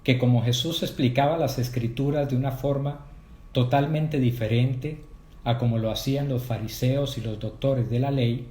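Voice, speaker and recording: A man speaks in a steady, explanatory way to a prayer group, pausing between phrases and turning to his listeners with questions. His voice is dark and mellow. The sound carries the echo of a roomy space. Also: mid-range voice. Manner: measured, explanatory, addresses listeners directly. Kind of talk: catechetical talk.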